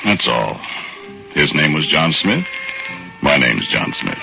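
A very deep-voiced, folksy radio narrator. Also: male voice, slow pace, creaky, full character voice. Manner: folksy, relaxed storytelling. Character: easygoing working man recalling his past. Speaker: narrator and lead character. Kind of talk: 1940s radio acting. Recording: dull lo-fi old radio recording with music.

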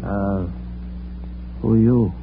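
A man's voice: fairly low pitch, fairly even intonation, slow pace, vocal fry, background noise. Hapless wise guy, tinny radio sound. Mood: nervous, flustered. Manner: slangy, put-upon, colorful streetwise storytelling. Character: hapless, nervous small-time wise guy telling his tale. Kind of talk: old-time radio comedy crime drama acting. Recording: tinny old radio recording.

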